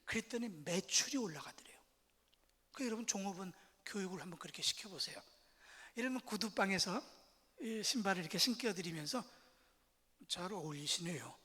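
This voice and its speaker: A middle-aged man gives a church lecture on family life, his pitch leaping up and down as he talks. He acts out everyday phrases with big, exaggerated intonation. His voice rings through a reverberant church hall. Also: fairly quick. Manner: lively, acts out quoted lines with exaggerated intonation. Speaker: guest lecturer, professor. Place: church sanctuary.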